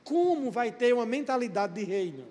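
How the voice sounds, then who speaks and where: A man's voice: very high-pitched, very animated, normal speed, a little mellow. A male pastor preaching a sermon, putting rhetorical questions to the congregation. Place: church. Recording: long church-hall reverb.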